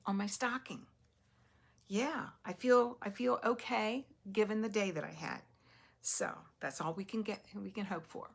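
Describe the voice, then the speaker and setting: A woman's voice: mid-range voice, gravelly, a bit bright. A woman hosting a knitting podcast from home, telling a rambling, casual story to camera and laughing often. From US East Coast.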